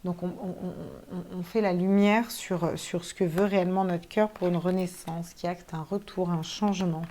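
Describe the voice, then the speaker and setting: Low-voiced woman doing a chatty tarot reading. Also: fairly even intonation, normal speed, mellow, slight background noise. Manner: chatty, thinks aloud, casual swearing. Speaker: tarot card reader. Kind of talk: casual tarot reading to viewers.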